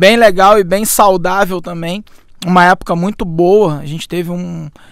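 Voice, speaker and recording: Big swings in loudness mark a man's high-pitched voice. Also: fairly even intonation, moderate pace. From Minas Gerais and Rio de Janeiro, Brazil. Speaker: gospel singer and worship leader. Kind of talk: podcast interview. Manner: halting, many repetitions.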